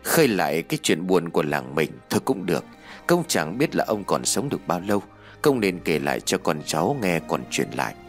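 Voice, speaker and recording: A man voicing a frail, weary old village elder recounting a dark village legend. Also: deep voice, big pitch swings, fairly quick, soft background music. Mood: solemn.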